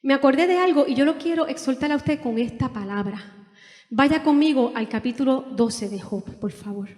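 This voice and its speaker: A woman preaching a sermon in a church, emotional and pleading, reading scripture slowly. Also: high-pitched, darkish tone. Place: church hall. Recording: reverberant church hall.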